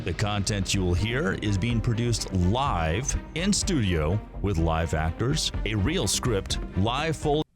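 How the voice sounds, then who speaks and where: A man's voice: fairly low pitch, animated, slow. A man reading a scripted, showy introduction as a radio announcer. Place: radio studio, live broadcast. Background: music.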